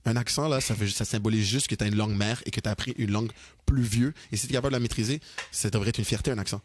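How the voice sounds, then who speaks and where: A young man with a Québécois French accent, co-hosting a podcast in casual, animated chat, mixing in English and slang. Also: on the low side, racing, slight background noise. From Quebec, Canada. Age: young adult. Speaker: podcast co-host.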